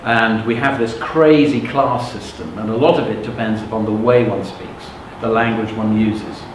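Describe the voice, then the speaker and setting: A middle-aged man from England whose native language is Russian tells his life story to a live audience as a motivational speaker, speaking frankly and conversationally and often checking that listeners follow. His voice is fairly low and fairly even at normal speed, recorded in a very echoey room with background noise.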